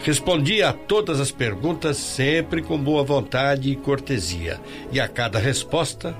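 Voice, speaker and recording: A man reading scripted documentary narration for a TV news tribute in a measured, formal way. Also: medium pitch.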